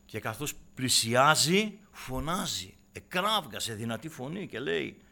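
A man preaching a sermon to his congregation, dropping to hushed asides and then rising into loud, impassioned exhortation. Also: medium pitch, very animated, creaky. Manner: keeps addressing listeners as brothers and sisters.

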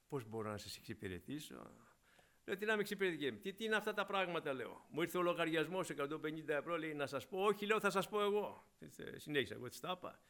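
A male preacher delivers an earnest sermon, his voice sitting a little high. He mixes gentle pleading with stories from his own life, and his delivery swells into loud, impassioned exhortation.

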